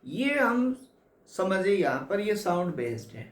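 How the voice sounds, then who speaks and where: A man teaching English literature for exams, explaining slowly and repeating key points to his students. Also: high-pitched, sing-song. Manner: slow, repetitive explaining, addresses students as kids. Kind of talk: exam coaching lecture. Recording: echoey room.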